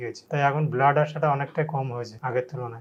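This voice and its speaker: The man's voice is somewhat breathy, and his intonation is monotone and flat. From Dankuni, West Bengal, India. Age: 40s. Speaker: lung cancer patient. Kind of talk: patient testimonial interview answer.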